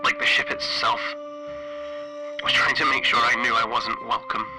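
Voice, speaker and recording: A man playing an anxious, isolated spaceship engineer recording log entries, halting and stammering, his phrases trailing off breathily. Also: mid-range voice, flat delivery, music in the background, natural voice. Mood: uneasy, bitter. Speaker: player of a solo tabletop horror game. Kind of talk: in-character audio log, dramatic monologue.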